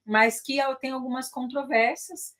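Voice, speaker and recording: A woman's voice: high-pitched, fairly even intonation, moderate pace, fairly bright tone. A woman with a Brazilian Portuguese accent, an English teacher chatting casually with viewers, full of tag questions and switching into English phrases.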